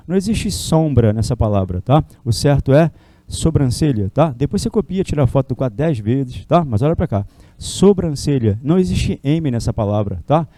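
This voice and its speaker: A man's voice: mid-range voice, mellow, no echo. A Brazilian man teaching a classroom lecture in a chatty way, forever tossing tag questions at his students. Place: classroom with a whiteboard.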